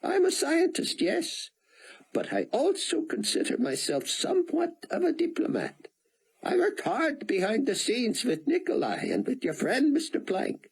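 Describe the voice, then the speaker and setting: A man voicing an exuberant elderly male scientist with a thick Israeli accent, in a high, lively voice. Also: measured pace, gravelly, slightly rough, full character voice, poor audio. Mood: earnest.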